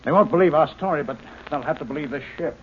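An actor playing an earnest, desperate American scientist in a 1950s radio drama, with a dramatic, sometimes halting delivery and an American accent. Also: male voice, fairly high pitch, close to an everyday voice. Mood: urgent. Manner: urgent, earnest, dramatic, halting under strain. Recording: muffled, noisy 1950s radio recording.

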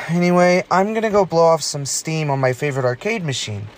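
A man's voice: on the high side, moderate pace, a little hiss or hum, close to an everyday voice. A man playing a jaded, flippant young gay man in an amateur audio drama. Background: arcade music.

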